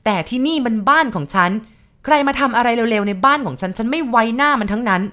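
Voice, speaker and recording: A woman voicing a sharp-tongued, furious widow who shouts and scolds. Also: on the high side, animated, drawn-out words, pitched above the performer's own voice. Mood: indignant.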